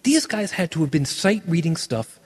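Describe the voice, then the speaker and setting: A man hosting a casual podcast chat, lively, often acting out quoted lines in other voices. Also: fairly high pitch, normal speed, husky, in a large hall. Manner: animated, acts out quoted lines in shifted voices. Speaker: podcast host.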